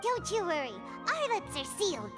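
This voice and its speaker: Tiny cheeky fairy sidekick girl, super high squeaky voice, anime game w/ music playing. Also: very animated, moderate pace. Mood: chirpy, eager. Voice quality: squeaky, childlike. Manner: exclamatory, chirpy. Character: tiny childlike floating fairy girl companion, cheeky and chirpy. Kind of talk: anime video game voice acting. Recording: background music under game dialogue.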